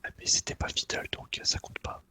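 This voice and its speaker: A man whispering casual gaming chat close to the microphone in a terse, deadpan way. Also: a little fast. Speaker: duo gaming partner. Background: computer keyboard typing.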